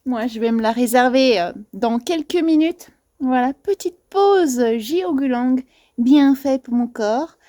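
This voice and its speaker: A woman's voice: high voice, lively intonation, unhurried, warm tone, no room sound, studio quality. A woman, presenting plants in a casual garden vlog, chatty and playful, with many fillers and asides.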